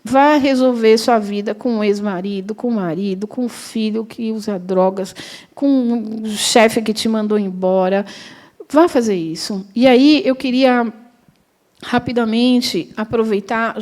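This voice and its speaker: A woman's voice: fairly high pitch, measured pace. A middle-aged woman teaching a class, telling a personal story and acting out the dialogue. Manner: animated storytelling, acts out dialogue. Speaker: spiritist course teacher. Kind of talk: classroom lecture with personal anecdote.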